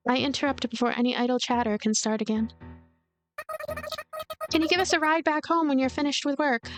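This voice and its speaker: A woman reading a game's story expressively as a let's play host, with casual commentary. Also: on the high side. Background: game music.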